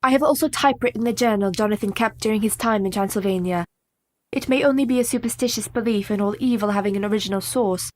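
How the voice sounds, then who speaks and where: In a radio play, an actress portrays a devoted, capable young wife who talks politely, earnestly and formally. Her voice is a little high, close to how she'd normally speak.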